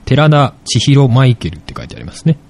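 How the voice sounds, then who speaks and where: A man's voice: mid-range voice, sing-song, fairly quick, vocal fry, slight background noise. A man hosting a casual chat, rambling with many fillers and laughs. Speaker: podcast host reviewing apps. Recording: loud music playing behind.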